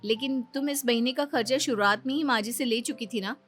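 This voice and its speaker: A woman voicing a sensible young elder daughter-in-law in a Hindi cartoon, who talks in a calm, reasoning way. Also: fairly high pitch, a little fast, over music, natural voice. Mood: firm.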